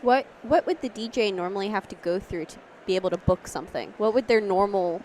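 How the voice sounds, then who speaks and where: Female interviewer, medium pitch, light background noise. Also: brisk, a little mellow. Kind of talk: casual on-site interview questions. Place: busy tech conference floor. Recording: noisy busy event with background ambience.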